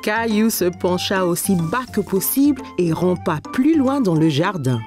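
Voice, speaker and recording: A woman narrating a scripted children's story in a clear, expressive storytelling manner. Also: on the low side, a little slow, over music.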